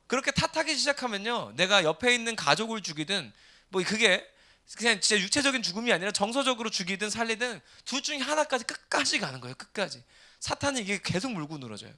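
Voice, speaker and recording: A man in his thirties preaching a sermon, asking the congregation rhetorical questions in an animated way. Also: high-pitched. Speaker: pastor.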